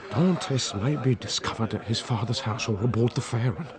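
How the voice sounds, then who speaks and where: An actor playing a lovesick, jealous young fisherman who is quick to anger, in a radio drama. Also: mid-range voice, crowd noise, natural voice. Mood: reading.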